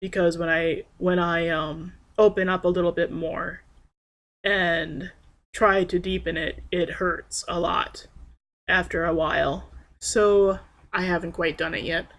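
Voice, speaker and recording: A young trans man rambling in a personal video diary, hesitant and soft-spoken with frequent pauses and restarts. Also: high-pitched, level tone, gravelly. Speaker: vlogger.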